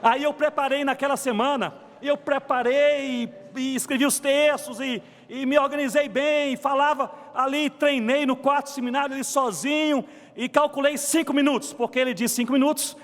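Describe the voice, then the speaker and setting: A man preaching a sermon to his congregation, telling a story and swinging between soft and emphatic delivery. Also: very high voice, steady tone, normal speed, in a large hall. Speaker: pastor. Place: church sanctuary.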